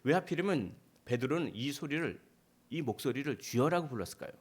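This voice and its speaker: A man's voice: mid-range voice, brisk, husky. A male pastor delivering a sermon, asking rhetorical questions and explaining scripture. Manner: animated preaching with rhetorical questions. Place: church sanctuary.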